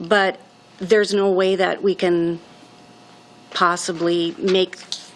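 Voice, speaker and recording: Over noticeable background noise, a woman speaks at a fairly low pitch in a monotone, flat intonation. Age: 70s. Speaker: resident speaking at council. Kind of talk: public comment at council meeting. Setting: city council work session.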